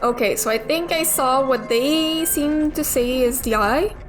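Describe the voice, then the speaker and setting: A woman's voice: high-pitched, a little slow. A young woman casually commenting and thinking aloud while playing a video game, swearing now and then. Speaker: gamer playing through a game. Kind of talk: casual let's play commentary. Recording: game music playing clearly behind. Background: game music.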